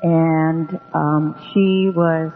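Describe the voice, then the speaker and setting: A woman's voice: sits low, fairly even intonation. Woman, meandering storyteller, phone-like narrow sound, long echoing reverb. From Hawaii. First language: Hawaiian. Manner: unhurried, meandering with many ums. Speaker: guest storyteller. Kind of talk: relaxed radio interview storytelling. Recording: tinny phone-like radio with long reverb and faint music.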